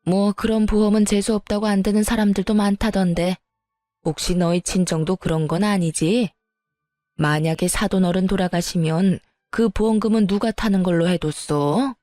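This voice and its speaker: A woman's voice: mid-range voice, steady tone, moderate pace, dark tone, no room sound, close to an everyday voice. A woman voicing a greedy, scheming middle-aged mother-in-law who talks down and pries about money. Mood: prying. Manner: condescending, prying.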